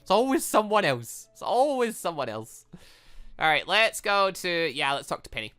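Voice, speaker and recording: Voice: medium pitch, sing-song, moderate pace, fairly bright tone, smooth. A gaming video host doing let's play commentary, reading dialogue aloud and reacting with exclamatory asides. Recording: music behind the voice. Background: music.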